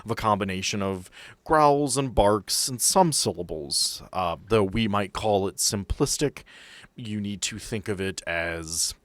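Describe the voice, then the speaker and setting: A man's voice: fairly low pitch, measured pace, dry recording. A man working as game master, narrating a tabletop role-playing game in a descriptive, explanatory way with asides.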